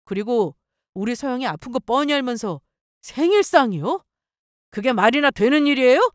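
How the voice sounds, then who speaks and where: A woman's voice: high-pitched, big pitch swings, normal speed, a bit bright, no room sound, clean studio sound, voice pushed up. Woman voicing a firm, protective young husband. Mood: reproachful. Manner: earnest, reproachful.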